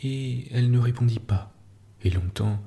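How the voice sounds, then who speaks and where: A man reading a literary story aloud in a calm, slow bedtime style, sometimes dropping to a whisper, close to the mic. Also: medium pitch, gravelly. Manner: slow, hushed, soothing delivery, dropping at times to a whisper. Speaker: narrator.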